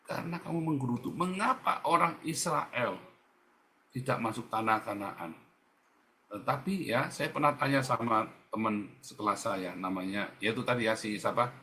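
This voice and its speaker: A man's voice: mid-range voice, moderate pace, bright, forceful tone, a little hiss or hum. A male pastor preaching a sermon, exhorting and repeating himself as he speaks straight to his listeners. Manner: exhorting, repetitive, keeps addressing the congregation directly.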